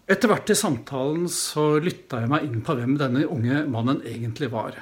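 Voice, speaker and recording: Reflective pastor telling a story, raised pitch. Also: male voice. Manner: reflective, with frequent hesitations. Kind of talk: sermon storytelling.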